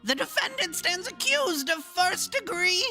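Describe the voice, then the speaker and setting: An actor voicing a shrill, officious court crier in a cartoon, proclaiming pompously. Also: big pitch swings, measured pace, full character voice. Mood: pompous announcing. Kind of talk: cartoon voice acting. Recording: loud music behind the voice.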